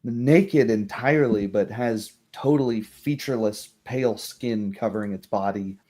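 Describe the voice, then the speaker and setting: A man working as a game master, narrating a tabletop roleplaying game in a measured, descriptive storytelling manner. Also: fairly low pitch, dark tone.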